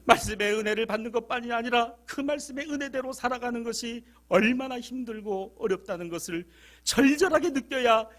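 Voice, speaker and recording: A male pastor preaching a sermon in a church sanctuary, asking the congregation questions and swinging between soft and loud passages. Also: extremely high pitch, a little fast.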